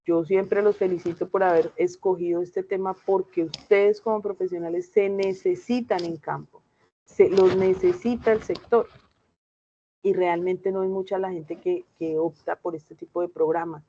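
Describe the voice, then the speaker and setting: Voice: medium pitch, fairly even intonation, normal speed, warm tone, a little hiss or hum. Colombian instructor, chatty lecture style, video call, somewhat muffled audio. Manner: conversational, checks in with frequent "right?" tags. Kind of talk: online class lecture.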